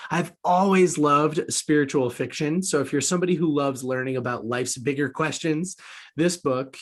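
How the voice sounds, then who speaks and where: A man hosting a podcast interview in a conversational, upbeat and articulate way. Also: medium pitch.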